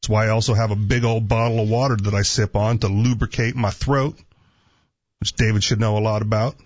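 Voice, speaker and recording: A man co-hosting a casual talk show, sarcastic and teasing, with a raspy, parched voice. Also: on the low side, steady tone, brisk, a little mellow, no room sound. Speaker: co-host. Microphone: studio microphone. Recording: dull lo-fi sound.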